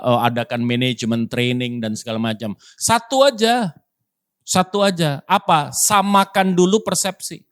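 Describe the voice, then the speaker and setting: A middle-aged male pastor preaches and tells humorous stories in a casual, teasing way. His voice sits somewhat high for a man. He often turns to the congregation and calls for their response. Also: a bit bright. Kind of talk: sermon with humorous storytelling.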